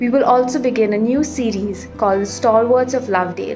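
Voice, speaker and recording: Clear music plays behind a woman who speaks at a moderate pace. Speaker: episode host. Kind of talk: presenter narration. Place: home room. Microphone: webcam.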